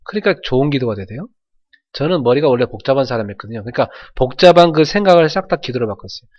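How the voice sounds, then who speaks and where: Earnest Korean pastor preaching, dull recording. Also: male voice, mid-range voice, expressive, fast talker. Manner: earnest, conversational preaching with emphatic swells. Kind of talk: sermon.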